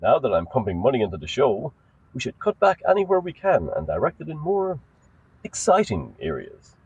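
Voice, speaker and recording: A man voicing a smug, low-voiced benefactor offering to fund a show. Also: huge pitch swings, a little fast, a little mellow, husky, dry recording, lo-fi sound, exaggerated voice. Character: smug slow-talking man posing as a rich benefactor.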